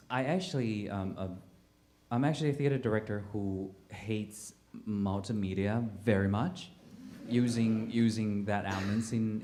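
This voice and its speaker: Over a faint hiss or hum, a mellow, lowish male voice with a Taiwanese accent shares a personal story off the cuff. He's a playwright and director on a panel discussion, and he repeats himself while hunting for the right words.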